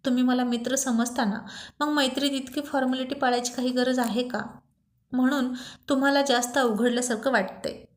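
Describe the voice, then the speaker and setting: A woman's voice: sits high, fairly even intonation, a little fast, lightly acted. A woman voicing a playful, insistent young woman who teases and coaxes in a storybook. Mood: teasing. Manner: teasing, coaxing.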